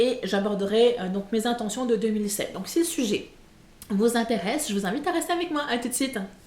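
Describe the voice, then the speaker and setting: Audible room echo surrounds a woman speaking at a high pitch with lively intonation. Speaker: crafting youtuber. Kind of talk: casual vlog chat. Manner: hesitant, many fillers.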